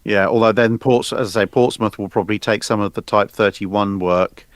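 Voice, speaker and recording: A man with a fairly low voice, recorded dry with no room sound. He explains casually as an expert panelist, feeling his way through sentences and correcting himself. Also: steady tone, moderate pace, no room sound. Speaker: panelist on a live history discussion.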